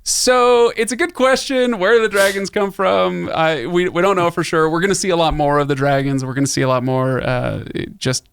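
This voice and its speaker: Gravelly-voiced man hosting a chat. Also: sits high, normal speed, hardly any pauses, no room sound, studio quality. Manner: chatty, laughing, animated. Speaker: podcast host. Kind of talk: casual book discussion.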